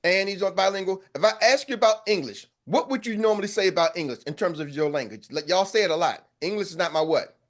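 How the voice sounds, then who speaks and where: A high-voiced American man leads a group call as a sales coach. He talks in a fiery, preacher-like way and drives his points home by repeating them. The energy stays high as he pushes the listeners. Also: quick pace, hardly any pauses, fairly bright tone. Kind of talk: motivational pep talk.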